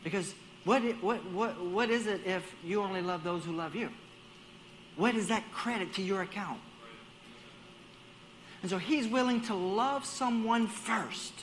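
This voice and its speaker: A man's voice: high voice, measured pace, long pauses, fairly bright tone, a little hiss or hum. A man preaching a sermon as a guest speaker at a church service. He talks animatedly, acts out dialogue in other voices and repeats words while he gathers his thoughts.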